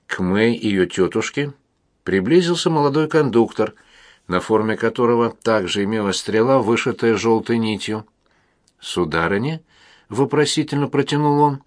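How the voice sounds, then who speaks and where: A man narrating an audiobook in a measured, gently ironic storytelling manner. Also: mid-range voice. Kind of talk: audiobook reading.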